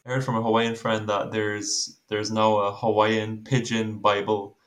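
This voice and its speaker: A man in a casual faith conversation, calm and explanatory. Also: on the low side, unhurried.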